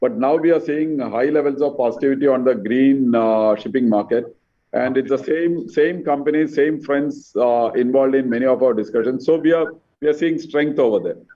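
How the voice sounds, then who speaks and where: A man, a company executive answering questions on an earnings conference call in a measured, halting way that repeats words. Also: mid-range voice, mellow. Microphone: conference call line. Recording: dull conference-call audio, distant.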